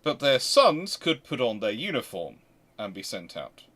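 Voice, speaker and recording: A man's voice: mid-range voice, very animated, a little slow, a bit bright. A man hosting an unscripted history discussion, talking emphatically and rambling, often restarting his sentences mid-thought. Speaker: host and naval historian.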